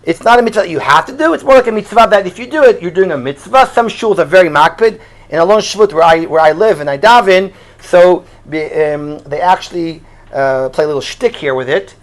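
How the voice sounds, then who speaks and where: A man's voice: high voice, animated, brisk. A man from Israel, a Hebrew speaker, giving an informal religious class as a rabbi, in a conversational, questioning way sprinkled with Hebrew and Yiddish terms. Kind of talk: informal religious lecture to a live group.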